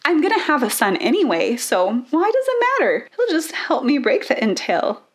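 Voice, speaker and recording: A woman's voice: sits high, sing-song, normal speed. A woman doing an eager, whiny young suitor. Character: eager young man in love, a bit whiny.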